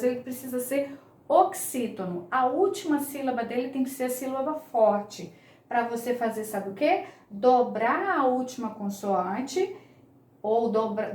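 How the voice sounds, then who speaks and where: A woman's voice: sits high, darkish tone, roomy sound. A woman, teaching English grammar in an online lesson, patiently repeating each key point.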